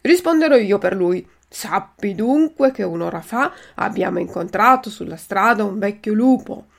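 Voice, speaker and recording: A woman voicing a sly male fox swindler who speaks in a flattering, theatrical way. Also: medium pitch, moderate pace, creaky. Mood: wheedling. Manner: ingratiating, theatrical.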